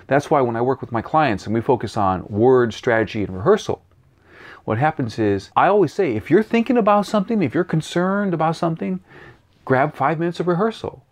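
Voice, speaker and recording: A man speaking as a guest coach in an interview, animated and repeating key phrases for emphasis. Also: fairly high pitch, a little fast. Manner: animated, acts out voices and sounds. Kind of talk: interview answering questions.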